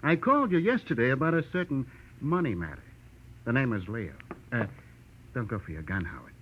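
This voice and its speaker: A man's voice: mid-range voice, big pitch swings, a little fast, a little hiss or hum, lightly acted. An actor playing a menacing, mockingly polite gangster debt collector in 1940s radio style, drawling his threats in a taunting way. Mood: smug menace. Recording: muffled vintage radio recording.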